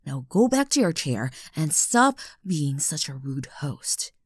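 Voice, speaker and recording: A woman's voice: sits low, very animated, dry recording, full character voice. A woman playing an obsessive, unstable young stalker girlfriend in an intimate ASMR roleplay, sweet and menacing by turns. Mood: angry, threatening. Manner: breathy whispers, halting, swinging from coaxing to outbursts. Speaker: voice actor in audio roleplay.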